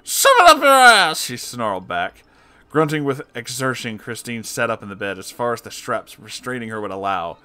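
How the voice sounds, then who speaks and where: A man narrating a comic horror story as an online host, in a theatrical, expressive manner. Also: fairly low pitch.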